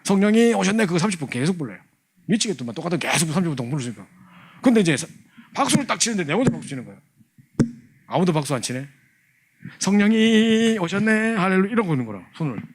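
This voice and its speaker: A man's voice: fairly high pitch, very animated, rapid-fire, pauses often, breathy edge. A man telling a humorous testimony to a church class, acting out his younger self. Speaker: church youth leader teaching a training class.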